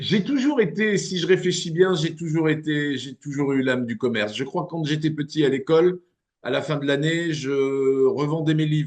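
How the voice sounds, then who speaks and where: A man speaks at a fairly high pitch. His pitch varies an ordinary amount. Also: moderate pace. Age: 60s. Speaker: business owner. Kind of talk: interview. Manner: halting.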